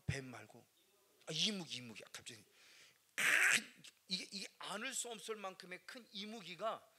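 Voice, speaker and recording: Male pastor, high voice, very bright and forceful tone, dramatic testimony sermon. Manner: dramatic, swings from loud outbursts to hushed murmurs.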